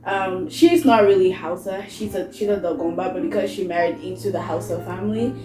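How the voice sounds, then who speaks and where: A woman in her twenties with a Canadian accent, chatting casually in a vlog and pausing often as she thinks. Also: on the low side, roomy sound, low-quality recording. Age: 20s. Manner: unhurried, thoughtful, with frequent pauses and fillers. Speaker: vlogger. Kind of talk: casual chat.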